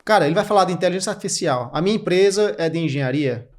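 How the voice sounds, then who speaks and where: Fast-talking Brazilian man, energetic. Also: high voice. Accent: Brazilian Portuguese. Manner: energetic, lists points in quick clipped phrases. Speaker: podcast guest. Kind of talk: didactic interview talk.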